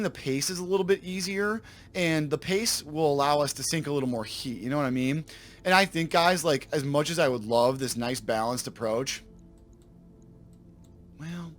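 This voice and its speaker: A man with a slightly raspy voice from a sore throat, casually commenting on his game for viewers and thinking aloud as he corrects himself. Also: on the high side, fairly bright tone. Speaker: let's play host.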